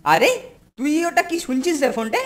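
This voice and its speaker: A woman's voice: sits high, animated, moderate pace, crowd noise. A woman voicing a sly, bullying older schoolboy in a children's cartoon, with a cocky manner. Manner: cocky, smug, wheedling to elders.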